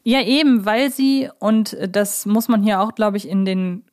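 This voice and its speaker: A woman's voice: mid-range voice, steady tone, a little slow, a little mellow. A woman co-hosting a podcast in a casual, chatty discussion, putting questions to her partner in a conversational way. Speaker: podcast co-host.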